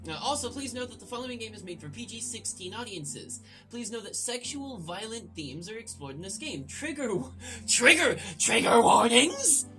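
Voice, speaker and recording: A woman's voice: on the high side, sing-song, moderate pace, hardly any pauses, fairly bright tone, soft background music, rough recording. A woman hosting a gaming video, playfully reading the script aloud and commenting with irreverent, sudden exclamations. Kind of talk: let's play commentary, joking read-aloud narration.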